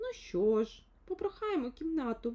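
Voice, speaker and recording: Doing a put-on character voice, a woman speaks at a moderate pace in an extremely high, squeaky tone with very wide pitch swings. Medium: read story.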